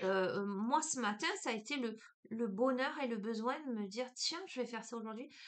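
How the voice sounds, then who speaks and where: At a moderate pace, a woman with a Marseille accent speaks at a fairly high pitch with ordinary pitch variation. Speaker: tarot and oracle card reader. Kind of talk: spiritual guidance reading, casual. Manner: hesitant, many fillers.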